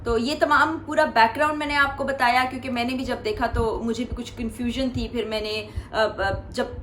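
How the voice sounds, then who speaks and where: A woman's voice: fairly high pitch, fairly even intonation, normal speed, fairly bright tone. A woman with a Pakistani accent recapping celebrity news for viewers in an explanatory way, often paraphrasing what others said. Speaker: host commenting on celebrity news. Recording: echoey room with faint background noise.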